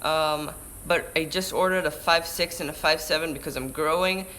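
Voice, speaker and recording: A man's voice: fairly high pitch, fairly even intonation, moderate pace, bright, forceful tone, slight background noise, poor audio. A teenage boy with a Hebrew accent, chatting on a live stream and reading out viewer questions, often restarting words mid-sentence. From Israel. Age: teens. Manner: chatty, restarts mid-word, answers questions read aloud. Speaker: surfer vlogger. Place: indoors by a window. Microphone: camera-mounted shotgun mic.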